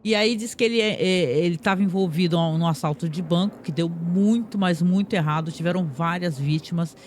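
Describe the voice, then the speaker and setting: A man's voice: high-pitched, brisk. A man hosting a podcast, casually retelling a plot with lots of tag questions and restarts. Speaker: podcast host.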